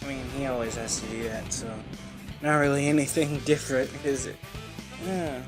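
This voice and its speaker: Young male let's play host, casual, rambling, informal, clear game music behind. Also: medium pitch, fairly even intonation, moderate pace. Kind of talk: casual gameplay commentary.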